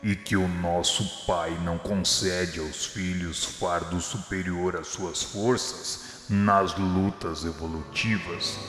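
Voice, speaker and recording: A low-voiced, gentle divine spirit played by a Brazilian man speaks in a religious radio drama. The delivery is very slow and solemn, exhorting, and it rings out in long reverb over music.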